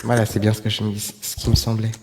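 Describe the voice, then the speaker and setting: A man's voice: lowish voice, monotone, quick pace, a little mellow. Sarcastic streamer man, echoey reverb. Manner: sarcastic, rambling, many fillers. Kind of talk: live reaction commentary.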